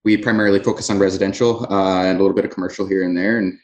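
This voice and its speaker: Low-voiced North Dakota man in an echoey room. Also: fairly even intonation, racing, darkish tone. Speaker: interview guest, business owner. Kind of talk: casual interview talk. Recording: roomy, echoey sound.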